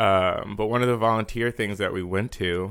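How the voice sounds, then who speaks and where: A man with an American accent speaks with fairly even intonation on a very clean recording with a silent background. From Brooklyn, New York. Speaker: military service member, meditation practitioner. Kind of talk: casual interview.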